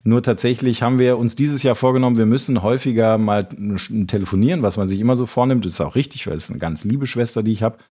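A man with a German accent, co-hosting a podcast, telling an anecdote in a relaxed, meandering way. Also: mid-range voice, fast talker, few pauses. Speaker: podcast co-host. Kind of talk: casual podcast chat.

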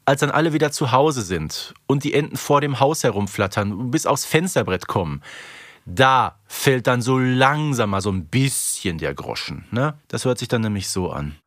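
A man's voice: medium pitch, expressive, moderate pace, a bit bright, no echo, studio quality. A man co-hosting a podcast with casual, wry, playfully exaggerated humorous commentary. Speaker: podcast co-host.

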